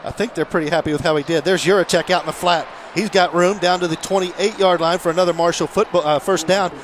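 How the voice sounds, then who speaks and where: Working as play-by-play announcer, this man delivers live commentary on an American football game from a broadcast booth, crowd noise audible in the background. He has a high voice, keeps his intonation fairly even, and talks quickly.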